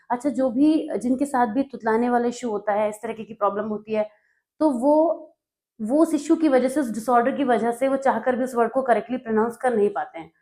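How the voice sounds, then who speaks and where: A woman's voice: a little high, darkish tone. A woman from North India, working as a tutor, explains study notes in a conversational way and often checks in with her listeners.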